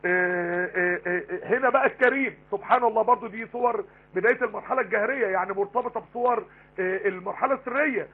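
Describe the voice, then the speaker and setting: A man with an Egyptian Arabic accent giving a live online Quran lesson, talking rapidly and emphatically with many rhetorical questions. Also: sits high, breathy edge. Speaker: Quran teacher. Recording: tinny phone-line broadcast.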